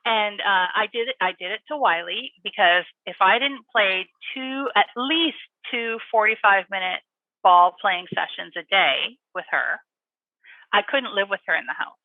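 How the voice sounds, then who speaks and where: A woman dog trainer and author chatting as an interview guest, animated and quick to laugh. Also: mid-range voice, no room sound, phone-quality sound. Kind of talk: interview guest, casual chat.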